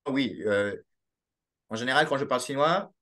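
A man's voice: mid-range voice, moderate pace, pushed and bright. Hesitant young Belgian man on a video call. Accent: Belgian French. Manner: hesitant, with many restarts and fillers. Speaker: podcast guest. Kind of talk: casual interview over video call. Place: small home room with a sloped ceiling. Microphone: laptop webcam mic on a video call.

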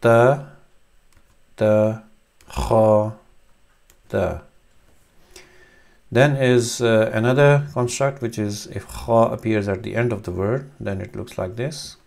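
Slow, gravelly-voiced man teaching letters. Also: fairly low pitch, darkish tone. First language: Urdu. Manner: slow, halting explanation with many fillers. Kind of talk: screen-recorded reading lesson.

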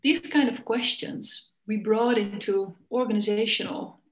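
A woman's voice: mid-range voice, measured pace, roomy sound, low-quality recording. A woman from the Netherlands, in her forties, giving an earnest conference talk as a coach over a video call, with frequent restarts. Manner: earnest, searching, many restarts. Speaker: coach and festival speaker. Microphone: video call, laptop.

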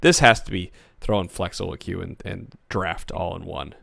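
A man's voice: sits low, moderate pace, creaky, fairly bright tone, no echo, clean studio sound. A man hosting a casual gaming podcast, his voice worn from a cold, coughing now and then. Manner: reads listener questions aloud, coughs. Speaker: podcast host.

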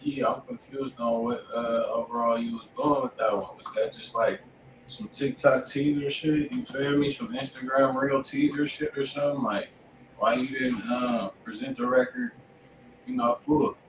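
An American man co-hosts a livestreamed music review, offering blunt, slangy, casual commentary in a mid-range voice at normal speed. He's recorded from a distance in an indoor home studio, so the sound is echoey and noisy.

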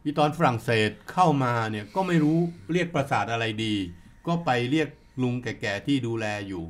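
A man in casual podcast chat, telling a story with animation and reading out long figures one by one. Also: medium pitch. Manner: animated, lists figures and numbers slowly. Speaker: podcast discussant.

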